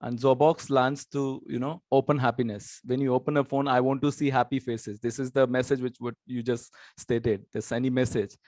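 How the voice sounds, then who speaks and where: A man raised in Hong Kong speaks with a Chinese accent, explaining his business with earnest repetitions. His voice sits at a middle pitch, recorded dry and close. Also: little pitch movement, normal speed, hardly any pauses, a little mellow, no echo. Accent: Chinese-tinged. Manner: repeats words, earnest. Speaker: company founder.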